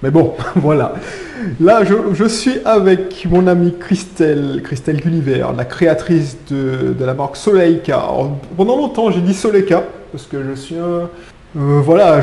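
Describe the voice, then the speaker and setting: A woman's voice: low voice, moderate pace, warm tone. A woman hosting a casual interview, chatty and self-deprecating, often laughing as she talks. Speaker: podcast host. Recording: roomy echo.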